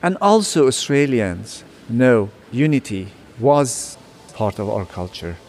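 A man speaks very slowly and with passion, leaning hard into each phrase. His voice is mid-pitched, with faint noise behind it. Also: very animated, a little mellow. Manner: slow, emphatic, passionate. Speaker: exhibition curator.

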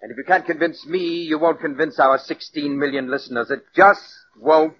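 An actor playing a domineering radio star, curt and dismissive, in 1940s radio style. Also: male voice, a little high, fairly even intonation, moderate pace, close to an everyday voice. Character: domineering middle-aged male radio star. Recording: dull old radio broadcast, faint hiss.

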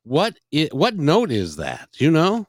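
A man's voice: on the high side, wildly swooping pitch, a little slow, no room sound, clean studio sound. A middle-aged man hosting a casual music interview, effusive and rambling, often repeating his phrases. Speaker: interview host.

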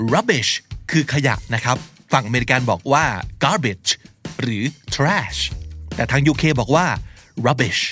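Lively man hosting a language podcast. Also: mid-range voice. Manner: lively, upbeat, stretches out spelled words. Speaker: podcast host. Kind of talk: podcast ad read and vocabulary recap.

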